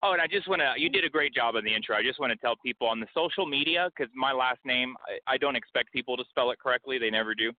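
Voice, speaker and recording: A man joining a radio show as a guest, speaking in a relaxed, friendly way. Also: medium pitch, fast, few pauses. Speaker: guest author. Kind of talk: casual radio interview. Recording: tinny phone line.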